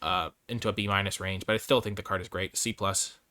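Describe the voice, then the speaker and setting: A man's voice: deep voice, fairly even intonation, fast, bright, forceful tone. A man hosting a casual, off-the-cuff card game review, thinking aloud and revising his opinions as he goes. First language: English. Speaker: host reviewing trading card game cards.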